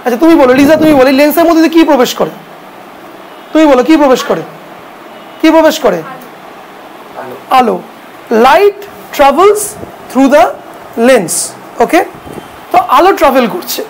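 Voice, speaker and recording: A woman's voice: high voice, animated, quick pace, long pauses, a little mellow, slight background noise, rough recording. A woman teaching a photography class, lecturing and asking her students questions, then answering them herself.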